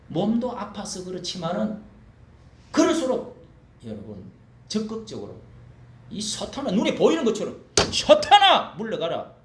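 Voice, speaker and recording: A male pastor delivers an emphatic sermon, his voice climbing and falling in lively swings. He punches out loud bursts and then drops into low asides. The church is echoey, with faint ambience in the background. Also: slight background noise.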